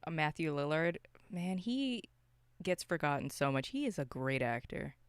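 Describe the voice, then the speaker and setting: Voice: mid-range voice, very animated, normal speed, clean tone, no room sound, clean studio sound. A podcast co-host chatting casually about films in a slangy, exclamatory way.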